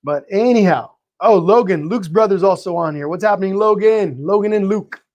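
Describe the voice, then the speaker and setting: A man hosting a live painting stream, greeting viewers by name in a friendly, chatty way, his voice a little hoarse and tired, clearing his throat now and then. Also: high-pitched, moderate pace, a little mellow, highs cut off. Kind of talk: live-stream chat and teaching.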